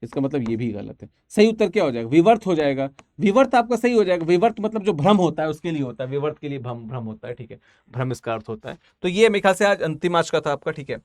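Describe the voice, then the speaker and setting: A man's voice: fairly high pitch, sing-song, fast talker, darkish tone, dry recording. A man teaching an online exam-prep language class, talking casually and repeating each answer several times.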